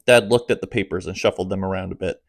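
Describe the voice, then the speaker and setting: Low-voiced man narrating an audiobook. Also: steady tone, quick pace, creaky, dry recording. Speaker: author narrating his own audiobook.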